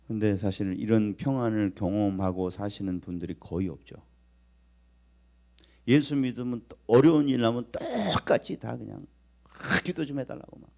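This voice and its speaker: A man's voice: fairly low pitch, moderate pace, creaky. A male pastor preaching a Sunday sermon, telling a story vividly and putting questions straight to the congregation. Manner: animated storytelling with acted lines of Jesus; talks directly to the congregation, asking questions.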